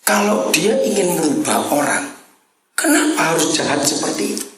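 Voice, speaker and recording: A man preaching a lively sermon to a congregation with a slight tinge. He swings from soft asides to loud shouted lines and teases the crowd. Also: a little high, moderate pace, slight background noise. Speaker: pastor. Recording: roomy church hall with congregation.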